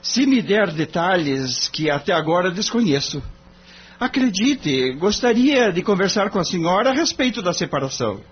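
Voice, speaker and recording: An actor playing a polite, earnest young lawyer who talks courteously but insistently on the phone. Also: male voice, high-pitched, very animated, normal speed, husky, exaggerated voice. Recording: dull lo-fi radio recording.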